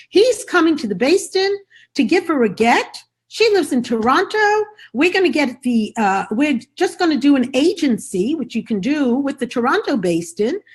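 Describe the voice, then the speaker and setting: A woman from New York giving an impassioned lecture, telling stories about her work and asking rhetorical questions. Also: high-pitched. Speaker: speaker on agunah cases. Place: Los Angeles event.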